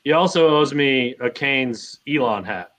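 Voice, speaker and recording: A man's voice: mid-range voice, expressive, a little slow, fairly bright tone, poor audio. A man co-hosting a sports show with casual, teasing banter. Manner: joking, teasing.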